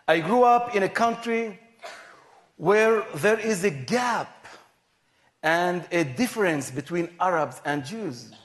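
A man from Israel, giving a personal testimony in slow, measured, plain phrasing. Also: high voice, animated. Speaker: guest speaker.

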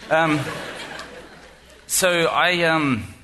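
A man's voice: on the high side, extremely slow, sharp tone, a faint crowd, slight background noise. A man with a New Zealand accent giving a self-deprecating, chatty speech to an audience, full of ums and restarts. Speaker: guest speaker. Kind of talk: humorous keynote speech. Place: lecture hall before an audience.

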